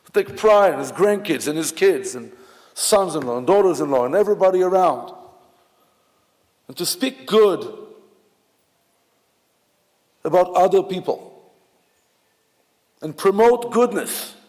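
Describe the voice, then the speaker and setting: A man from Israel with an Israeli accent, giving a memorial eulogy in a halting, reflective way with many fillers and restarts. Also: high-pitched, lively intonation, a little mellow. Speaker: officiant at a memorial service. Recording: long hall reverb.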